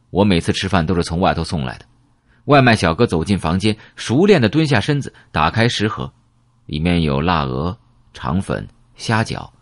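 A man narrating a first-person novel in an expressive storytelling manner. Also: low voice, dry recording, clean studio sound. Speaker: audiobook narrator.

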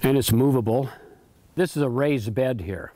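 A man's voice: medium pitch, moderate pace, a little hiss or hum. Rambling man in his eighties. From United States. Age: 80s. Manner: relaxed, rambling, repeats words while thinking. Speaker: homesteader giving a tour. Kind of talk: casual tour talk. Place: outdoor garden and home pantry.

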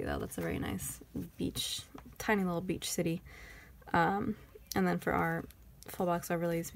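A woman's voice: lowish voice, vocal fry. A woman with a Texan accent chatting casually through a planner sticker haul, rambling and thinking aloud. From Texas. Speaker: planner vlogger.

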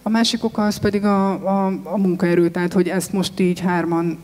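A woman in her thirties, a farmer on an expo stage panel, answering thoughtfully with handheld mic and frequent hesitations. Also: lowish voice. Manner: thoughtful, steady, many hesitations. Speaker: vegetable community farmer, panel guest. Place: large expo stage with sofas. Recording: long hall reverb.

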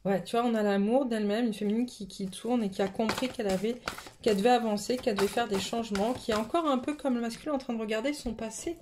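A woman's voice: on the high side, steady tone, quick pace. Brief: woman with a cold, rambling card reader, plenty of fillers, faint noise behind. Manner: rambling, many fillers and restarts. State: has a cold. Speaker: tarot reader. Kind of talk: casual spiritual card reading. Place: home table, camera above the cards.

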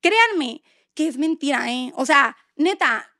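A woman's voice: sits high, a little slow, no echo, studio quality. A young woman, telling a personal story in a casual chat and acting out the dialogue. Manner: animated, acts out quoted dialogue. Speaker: guest.

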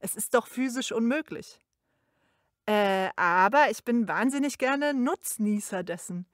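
A woman's voice: a little high, lively intonation, unhurried, no room sound, clean studio sound. A woman recording an informal congratulatory voice message in a chatty, emphatic way. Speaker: guest sending a recorded greeting.

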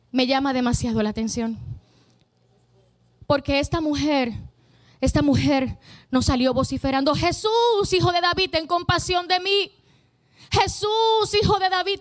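A woman's voice: very high voice, a bit bright, no echo. A woman preaching a fervent sermon to a church congregation, using emphatic repetition and calling out to the people.

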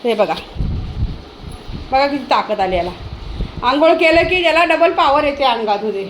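A woman with a high, bright-pitched voice records a casual home vlog. She chats to her viewers and keeps breaking off to call out sharply to her dog. A faint hiss sits under her voice. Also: animated, moderate pace. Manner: chatty, often calls out sharply to a dog. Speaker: vlogger.

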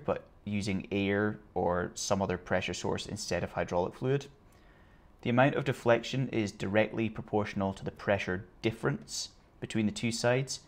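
A man teaching an online aviation lesson, explaining in a relaxed, conversational way with casual asides. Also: lowish voice. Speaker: flight theory instructor.

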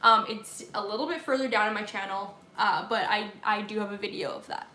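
On a live stream from her home kitchen, a young woman with a Southern accent bakes and answers viewer comments in a casual chat. Her medium-pitched voice is sharp and a little fast, picked up by a laptop or phone camera at table distance with echoey room sound and slight background noise.

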